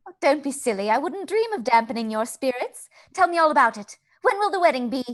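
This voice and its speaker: A young Victorian lady in a radio drama. She is a teasing, supportive friend. Her voice is high and swings in a very animated way. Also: a little fast. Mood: delighted. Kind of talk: radio play acting.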